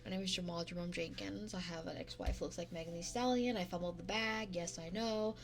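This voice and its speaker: A woman voicing a goofy 53-year-old man fresh out of prison, forcing her voice deep. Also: fairly even intonation, brisk, gravelly, a little hiss or hum. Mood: boastful silly. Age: 53 (figure). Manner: forced deep put-on voice.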